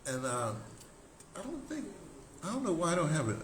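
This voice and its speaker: An older American man telling stories casually as a talk host, in an excitable, rambling way with broken, repeated phrases. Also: fairly high pitch, moderate pace. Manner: excitable, animated storyteller with broken, repetitive phrasing. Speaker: radio drama producer and talk host. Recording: roomy echo, clear background noise.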